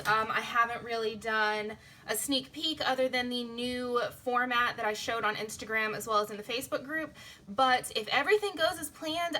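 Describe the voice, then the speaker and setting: Young woman, vlogger, rambly and self-interrupting, a bit worn-out voice, higher pitch, bright and clear. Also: a little hiss or hum. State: early-morning tired, voice slightly strained. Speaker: planner vlogger and sticker shop owner. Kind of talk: casual plan-with-me chat. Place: home craft desk, indoors. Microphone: phone camera overhead. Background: printers running.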